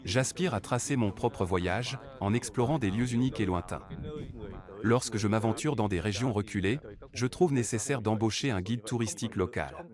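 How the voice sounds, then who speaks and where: A man reading translated interview answers as a news voice-over, in a measured, even way. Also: lowish voice. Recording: voice-over with music beneath.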